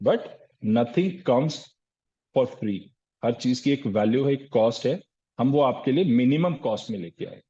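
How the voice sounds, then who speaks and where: Male sales trainer at a live session: quizzes his listeners and answers himself, calls them "sir", low-fidelity recording. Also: expressive, measured pace, mellow, muffled recording. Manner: asks rhetorical questions and answers them, often says "sir".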